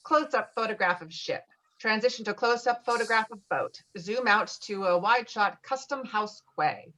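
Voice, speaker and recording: Woman reading stage directions, mid-pitched. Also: normal speed, sharp tone, poor audio. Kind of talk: reading screenplay directions aloud at a virtual table read.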